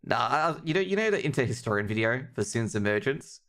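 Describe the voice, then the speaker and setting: A man's voice: mid-range voice, big pitch swings, fairly quick, a bit bright. A man doing casual, jokey live commentary on an esports match and chatting informally with his viewers. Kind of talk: casual live game commentary with chat banter. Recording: clear background noise with clicks.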